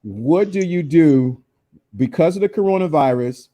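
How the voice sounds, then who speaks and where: A man in his forties giving casual dating advice, quick and repeating himself for emphasis. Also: fairly high pitch, lively intonation, dark tone, dull audio. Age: 40s.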